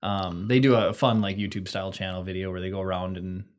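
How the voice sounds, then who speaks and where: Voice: low voice, level tone, fast talker, darkish tone. A podcast co-host chatting casually, telling stories with enthusiasm. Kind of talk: casual chat.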